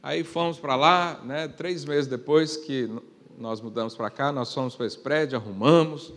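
A man preaching a sermon, firing rhetorical questions and swinging from quiet to loud. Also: medium pitch, moderate pace. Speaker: pastor. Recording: long reverb of a church hall.

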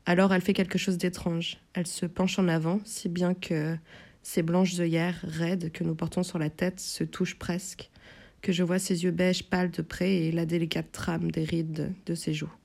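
A woman narrating a novel in first person, in a measured, inward, tense way. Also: fairly low pitch, flat delivery, gravelly, a little mellow. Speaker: audiobook narrator.

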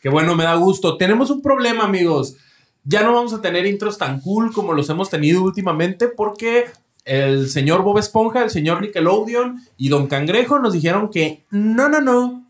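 Upbeat podcast host, high voice. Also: male voice, expressive, moderate pace, echoey room. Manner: upbeat greeting. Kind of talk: casual podcast intro.

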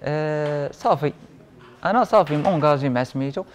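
A man's voice: on the high side, brisk, a little hiss or hum. A young man with a Moroccan Arabic accent telling his story casually, mixing in French words and quoting dialogue as he goes. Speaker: interview guest; printing and IT technician. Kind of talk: casual personal storytelling in conversation.

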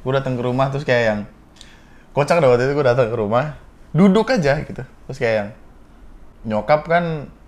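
A young man tells a story in a casual co-hosted chat. He talks in slang with quick asides. He often restarts his sentences. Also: medium pitch.

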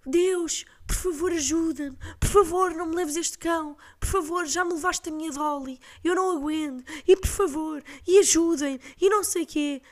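A woman's voice: very high voice, moderate pace, hardly any pauses, voice pushed up. A woman voicing a frantic older woman neighbour who is begging for help. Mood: pleading. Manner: desperate, begging, breathless.

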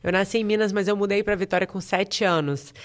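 A smooth, clear-voiced woman, talking freely as a podcast guest. She speaks at a middle pitch for a woman and tells stories in a chatty, lively way, laughing easily. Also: a little fast. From Brazil, grew up in Espírito Santo. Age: 30s. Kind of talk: casual interview chat.

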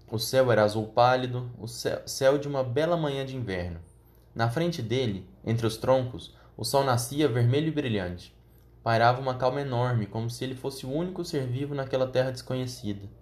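A man with a mid-range voice reads a children's fantasy aloud as an audiobook. His telling is calm, steady and measured. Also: medium pitch. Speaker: narrator. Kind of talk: audiobook reading.

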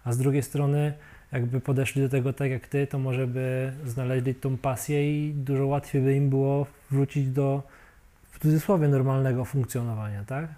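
A man's voice: medium pitch, steady tone, moderate pace, mellow. A man interviewing a guest in a casual chat, summing up his points and asking for agreement.

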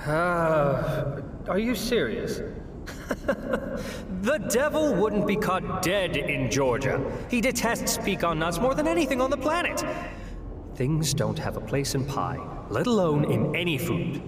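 A man's voice: high voice, huge pitch swings, unhurried, a crowd in the background, heavily acted. A man playing a haughty, fussy demon in an audio drama, exasperated and scornful of humans. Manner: exasperated, disdainful, theatrical. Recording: echoey hall with background noise.

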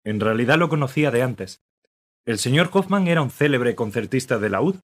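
A man's voice: medium pitch, expressive, normal speed, natural voice. A man playing a dry-humored forensic doctor. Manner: dry, matter-of-fact. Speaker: forensic pathologist. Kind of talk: radio drama acting.

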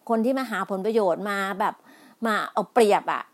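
With a medium-pitched voice and a brisk pace, a middle-aged woman scolds and pleads by turns in a heated political monologue. She's emphatic, restarts and repeats herself frequently, and uses polite particles, first pleading and then indignant.

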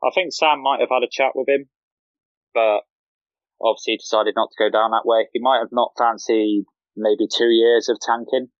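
A man's voice: medium pitch, fairly even intonation, normal speed, no echo, dull audio. A man from the UK, a guest on a casual podcast, who talks hesitantly and often repeats words as he starts a sentence. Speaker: podcast guest, fan account runner.

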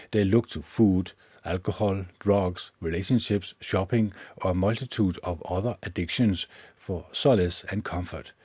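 A man hosting his own podcast, reading a self-help book aloud in a measured way, with occasional slips he corrects himself. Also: sits low, dark tone, breathy edge, no room sound. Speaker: podcast host. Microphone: own microphone with gain up and low cut filter.

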